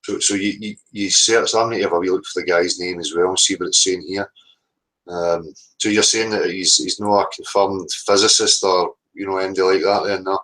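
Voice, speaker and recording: A man's voice: sits low, fairly even intonation, a little fast, sharp tone, poor audio. A man with a Scottish accent chatting casually as a livestream host and reading out the live chat.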